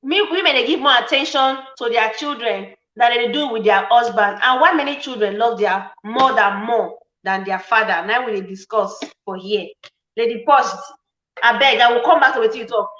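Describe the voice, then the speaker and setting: A woman with a Nigerian accent hosting a casual live-stream chat, lively and teasing as she welcomes guests. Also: a little high, normal speed, roomy sound, highs cut off. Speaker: talk show host.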